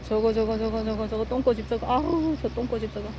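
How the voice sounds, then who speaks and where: A woman with a slightly high voice walks her dogs outdoors on a walking path by stepping stones, chatting casually on a phone live stream. She speaks briskly and fondly scolds her pets, with background noise around her.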